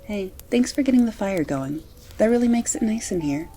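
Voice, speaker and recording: A woman's voice: medium pitch, animated, normal speed, dark tone, soft background music, close to an everyday voice. A woman playing an affectionate, playful romantic partner in an amateur audio drama, with a cozy, teasing manner.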